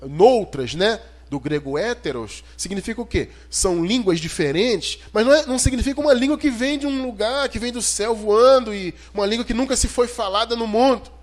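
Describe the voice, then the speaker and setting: A man's voice: high-pitched, lively intonation, normal speed. A man with a Brazilian Portuguese accent preaching an expository sermon in an emphatic, didactic way, putting rhetorical questions to his listeners. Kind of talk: expository sermon, teaching scripture verse by verse.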